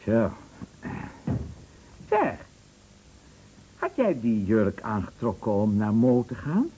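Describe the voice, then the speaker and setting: Jealous husband, taunting and insinuating, mellow tone with animated pitch, old radio play. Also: male voice, slow, breathy edge, full character voice. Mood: sarcastic, taunting. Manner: sarcastic, insinuating, with emphatic repetitions. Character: bitter jealous husband, scornful and taunting, set on exposing lies. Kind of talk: radio drama acting. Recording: dull, noisy old radio play recording.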